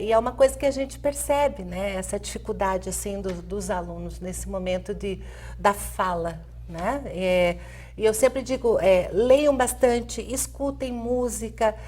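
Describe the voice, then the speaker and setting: A woman's voice: medium pitch, a little mellow. A middle-aged Brazilian woman, a language teacher, explaining things in an interview with hesitant fillers and tag questions. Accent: Brazilian Portuguese. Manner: hesitant fillers, frequent "né?", light laughs. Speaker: Spanish language teacher, guest.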